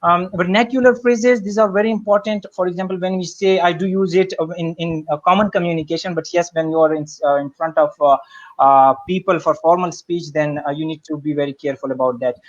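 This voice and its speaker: A man's voice: a little high, fairly even intonation, fairly quick, lo-fi sound. A man giving a spoken lesson on public speaking, hesitant and full of fillers and restarts. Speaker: guest speaker.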